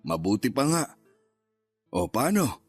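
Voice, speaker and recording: A man acting a remorseful middle-aged father fresh from prison in a radio drama, earnest and quietly nervous. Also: medium pitch, sing-song, unhurried, slightly rough, dry recording, soft background music.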